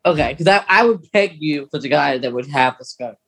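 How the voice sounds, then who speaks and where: A man with a voice on the high side co-hosts a podcast. He talks casually and informally, wandering a little as he shares news with his co-host. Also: lively intonation, brisk, bright, forceful tone, low-quality recording. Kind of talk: casual podcast chat about fandom news.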